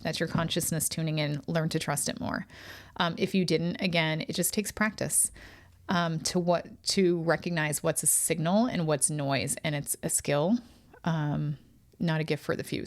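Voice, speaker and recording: Woman podcast host, slightly low voice, earnest and chatty, lots of ums. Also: normal speed. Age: adult with children. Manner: earnest, eager, chatty with many ums and restarts. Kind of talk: guided remote viewing reveal, casual podcast talk.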